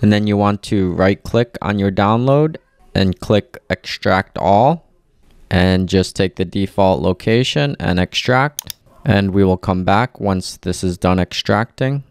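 A man narrating a step-by-step software tutorial as presenter, instructing clearly and methodically into a close mic. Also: lowish voice, a little slow, no echo.

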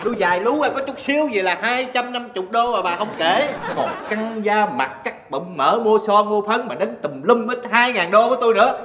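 A man's voice: high voice, expressive, a bit bright. An actor with a Southern Vietnamese accent playing an older painter husband who protests and whines at his wife in a stage comedy. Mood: arguing. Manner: fast, whiny, protesting. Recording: roomy stage hall, faint noise.

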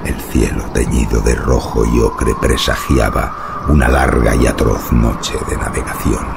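A man narrating a horror audiobook in a gravelly voice, with slow, ominous, dramatic delivery. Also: very deep voice, fairly even intonation, very noisy.

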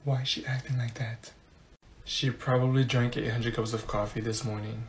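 A woman acts out a mouthy high school girl in a classroom comedy skit. She is grumpy and sassy, with a blunt, complaining way of talking. Her delivery is that of a student who cannot be bothered. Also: moderate pace, close to an everyday voice. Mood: muttering, bored.

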